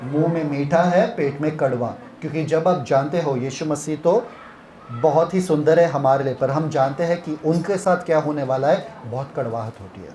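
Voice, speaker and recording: A man's voice: a little high, normal speed, dark tone, a little hiss or hum. A man leading a Bible retreat session, teaching interactively and quizzing listeners with repeated questions. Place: retreat hall. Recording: echoey hall.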